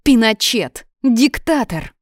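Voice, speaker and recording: A woman voicing a feisty, cheeky young red-haired woman with squeaky, loud retorts in an audiobook. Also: animated, measured pace, no room sound, clean studio sound, lightly acted. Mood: furious.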